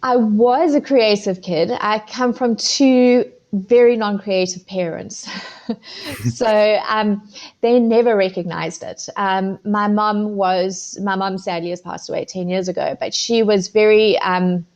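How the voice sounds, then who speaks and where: A woman's voice: medium pitch, steady tone, unhurried, darkish tone, highs cut off. A woman in her fifties with a South African accent, a guest in an interview, talking casually with many ums and restarts. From Zimbabwe and South Africa. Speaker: guest, food photographer.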